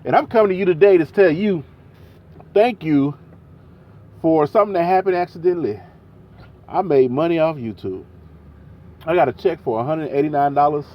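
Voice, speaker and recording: A man's voice: on the high side, moderate pace, pauses often, dull audio. A man with a chest cold, coughing now and then, talking loosely and casually in a vlog. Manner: loose, chatty, slangy. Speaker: vlogger; truck driver.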